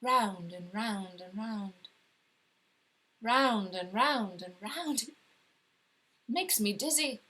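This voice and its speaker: A woman's voice: medium pitch, lively intonation, slow pace, long pauses, a little hiss or hum, poor audio. A woman with a British accent playing an obsessive, secretive Victorian wife slipping into madness, confiding intensely in a dramatic story reading. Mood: fixated, uneasy. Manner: confiding, intense, with sudden hushed emphasis. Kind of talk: dramatic first-person short story reading. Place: live reading over video call.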